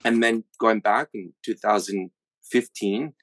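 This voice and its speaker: A man in his thirties from the USA talks through his thoughts in casual conversation, often stalling on fillers and restarting his sentences. His voice sits a little low. The recording is dry, with no room sound. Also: fairly even intonation, measured pace, a bit bright, no room sound. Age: 30s. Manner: hesitant, many fillers and restarts.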